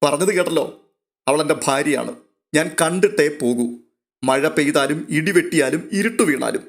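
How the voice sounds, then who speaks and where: Male reader as a jilted, drunk young man; weary, quietly menacing, won't back down. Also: on the high side, moderate pace, lightly acted. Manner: weary yet threatening.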